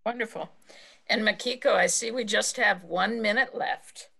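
A woman's voice: medium pitch, normal speed, vocal fry, sharp tone. An older woman hosting a casual interview over a video call from her home, speaking in an effusive, praising manner. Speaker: host. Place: home room with bookshelves.

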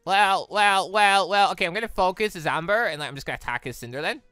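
A British gamer giving excitable, rambling let's play commentary and often breaking off mid-thought. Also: medium pitch, quick pace, no room sound. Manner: excitable, rambling, self-interrupting. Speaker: gaming video host. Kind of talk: let's play commentary, reading dialogue aloud. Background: game music.

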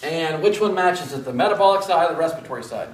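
Middle-aged guy teaching in a mask, kinda high voice, roomy echo, camera way back, laid-back and jokey w/ the class. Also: lively intonation, fast talker. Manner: casual, self-deprecating, asks students questions. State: speaking through a face mask. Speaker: respiratory therapy instructor. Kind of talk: classroom whiteboard lecture. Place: large classroom with whiteboard. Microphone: far camera. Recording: echoey room from far off.

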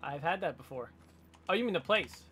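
High-pitched, bright-voiced American man, gaming. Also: expressive, brisk, faint music behind. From Pennsylvania, United States. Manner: goofy, playful. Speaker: gaming streamer. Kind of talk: casual joking game chat.

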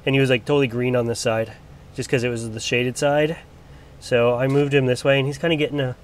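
A man's voice: mid-range voice, slight background noise. Male grower, recovering from a cold, chatty and unpolished, off-camera handheld vlog voice. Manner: chatty, loose, lots of ums and restarts. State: getting over a cold. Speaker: plant grower showing his collection. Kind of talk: casual filmed walk-through. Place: indoor grow area under bright lights.

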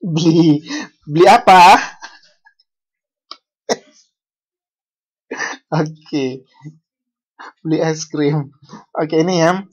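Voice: medium pitch, steady tone. A university lecturer from Bali gives an online language lecture over a video call. They ask the class questions and correct themselves as they go. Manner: unhurried, asks the class questions, self-correcting.

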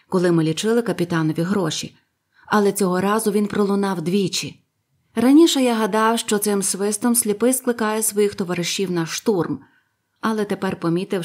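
Breathy woman reading a storybook aloud. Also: medium pitch. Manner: lively expressive reading. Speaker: audiobook reader. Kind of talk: storybook narration.

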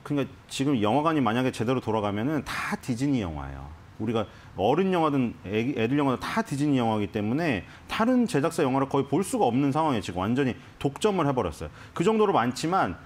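A stock analyst guest in a TV studio explains stocks on a financial program, offering conversational market commentary with frequent restarts. His mid-range voice is sing-song and fast, with hardly any pauses.

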